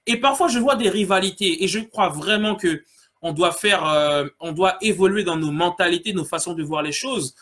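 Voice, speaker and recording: A man's voice: sits high, moderate pace, a bit bright. A man hosting a casual solo podcast, reading out listener comments and talking earnestly and directly to his audience. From French Guiana. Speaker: podcast host.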